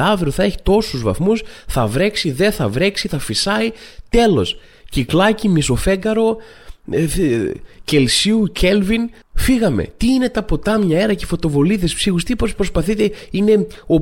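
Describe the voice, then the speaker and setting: A young man hosting a comedy podcast, ranting in an exasperated, incredulous way with sudden shouted bursts. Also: a little high. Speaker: podcast host. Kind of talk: comedic rant monologue. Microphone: studio microphone at a desk.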